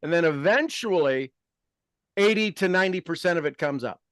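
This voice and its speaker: A man's voice: fairly high pitch, lively intonation, moderate pace, fairly bright tone, dry recording. A man in his fifties talking in a casual motivational style, emphatic and repeating his key phrases. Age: 50s. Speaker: podcast host.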